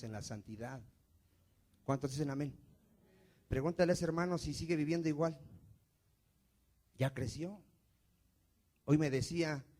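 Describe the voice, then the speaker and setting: A man's voice: fairly high pitch, warm tone. A male pastor preaching a sermon, asking the congregation questions and answering them himself.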